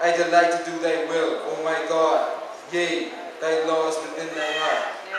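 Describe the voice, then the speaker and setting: A man with a high pitch talks at a fairly slow pace. There is strong room echo and noticeable background noise. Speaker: evangelist preacher. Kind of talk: Sabbath youth sermon in church, scripture-reading exhortation. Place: church. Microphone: podium.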